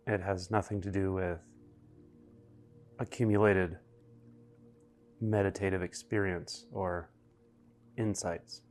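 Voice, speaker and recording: A man guiding a meditation, speaking slowly and deliberately with long pauses between phrases. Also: low voice, level tone, a little mellow, faint music behind. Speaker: meditation guide. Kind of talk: guided meditation narration.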